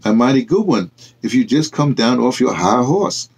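A man reading aloud and voicing a stern, blunt man lecturing his friend, emphatic and halting. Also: mid-range voice, very animated, darkish tone, slightly rough. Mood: scolding.

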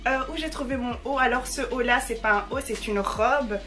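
Bright, bubbly young woman vlogging. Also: a little high, normal speed, soft background music. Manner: bubbly and chatty, with frequent slangy fillers. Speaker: YouTuber answering viewer messages. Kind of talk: casual chat to camera.

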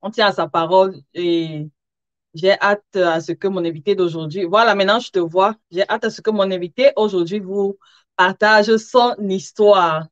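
A woman's voice: mid-range voice, normal speed, no room sound. Woman hosting a casual livestream, dull audio. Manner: informal, chuckles between phrases, addresses viewers directly. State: somewhat tired. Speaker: live interview host, sewing content creator. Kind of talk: casual livestream chat with viewers.

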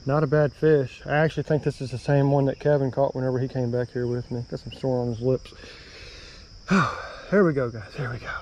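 A man talking casually to viewers as he fishes a creek outdoors, excited and chatty. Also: mid-range voice, fairly quick, muffled recording, a little hiss or hum. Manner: excited, talks to viewers while fishing. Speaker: fishing vlogger.

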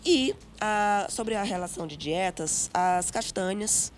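A young woman with a Brazilian Portuguese accent, a gynecologist guest on a TV show, explaining medical terms clearly on a studio set. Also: medium pitch, lively intonation, slow pace, a little hiss or hum. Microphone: handheld mic.

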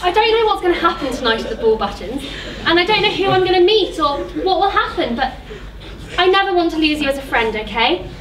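A young woman playing a sweet, excitable, gushing Cinderella in an amateur stage pantomime. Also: extremely high pitch, quick pace, crowd noise. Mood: tender, firm. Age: young adult. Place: stage in a theatre hall. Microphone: distant camera. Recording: echoey, noisy theatre hall from far off.

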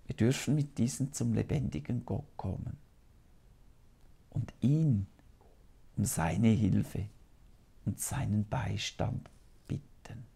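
A man's voice: fairly low pitch, takes it slowly, vocal fry, long pauses, dark tone, husky. A man in his fifties, a priest, preaching solemnly and earnestly to camera in a small TV studio on a lapel mic. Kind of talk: televised sermon.

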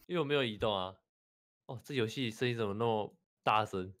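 A man's voice: lowish voice, a little fast, fairly bright tone. A man, a laid-back, teasing player in casual chat with friends. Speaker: fellow player.

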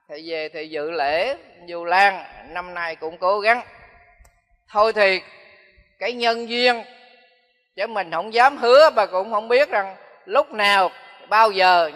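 A man's voice: high-pitched, unhurried, fairly bright tone. An older man, a Buddhist monk, giving a folksy dharma talk that repeats phrases for emphasis. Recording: long hall reverb.

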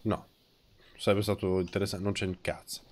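A man's voice: low-pitched, little pitch movement, normal speed. A man in his thirties with a nasal, stuffed-up voice, chatting casually and bluntly as he streams a video game, teasing and swearing. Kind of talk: casual live gameplay chat.

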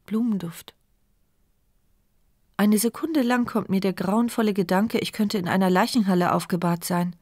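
A woman's voice: mid-range voice, steady tone, normal speed, darkish tone, no echo, clean studio sound, close to an everyday voice. An actress voicing the wounded, frightened narrator and heroine of a radio play, speaking her intense inner monologue over music. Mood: tense. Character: injured woman narrator, frightened and desperate. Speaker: first-person narrator and heroine.

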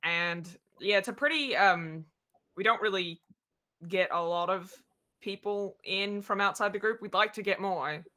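Woman w a bright crisp-edged voice, chatting casually on a panel call. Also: medium pitch, unhurried. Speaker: panelist, podcast writer. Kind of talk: casual explanatory panel talk. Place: indoor room at home, video call.

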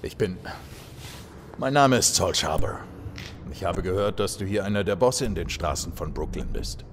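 Ein Mann spielt in einem deutschen Hörspiel einen nervösen, unheimlichen Neuling, der zögernd spricht. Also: male voice, low voice, lively intonation, slight background noise. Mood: nervous. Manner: hesitant, halting. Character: nervous, creepy male newcomer offering power. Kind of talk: German audio drama acting.

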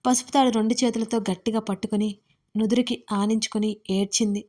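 Female storyteller, audio drama narration, steady measured reading, fairly high voice.

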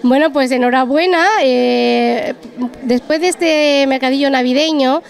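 A woman's voice: high voice, steady tone, measured pace, vocal fry. A middle-aged woman, chatting effusively as an on-location reporter doing interviews. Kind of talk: on-location event interviews and commentary. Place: busy hall at a Christmas market. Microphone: handheld reporter microphone. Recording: crowd chatter in busy hall.

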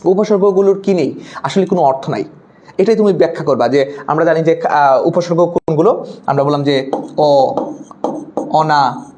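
A man's voice: fairly high pitch, normal speed, pauses often, a little mellow. A young male teacher with a Bangladeshi Bengali accent giving an exam-prep lecture, chatty, dropping English words and often asking "okay?" to check in. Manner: mixes English words into his talk.

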